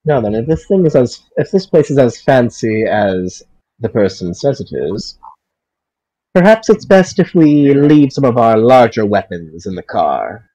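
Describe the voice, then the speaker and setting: A man's voice: medium pitch, sing-song, unhurried, mellow, low-quality recording. A man playing a prim, genteel woman with a cane. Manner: prim, formal, mannered.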